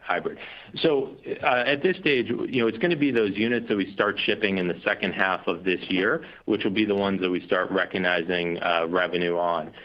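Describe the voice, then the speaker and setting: A very deep-voiced man answers questions as a company executive on an earnings call. He explains in an unscripted, businesslike way, checking in with small tags as he goes. The sound is slightly dull and lo-fi. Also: normal speed. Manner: explanatory, frequent you know and right as tags. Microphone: conference call line. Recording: dull, lo-fi conference call audio.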